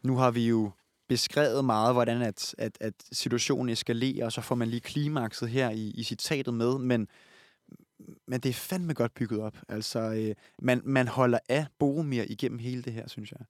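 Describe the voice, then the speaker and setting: A man's voice: mid-range voice, steady tone, no echo, clean studio sound. A man hosting a casual book discussion, enthusiastic and full of restarts and repeated words. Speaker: podcast host.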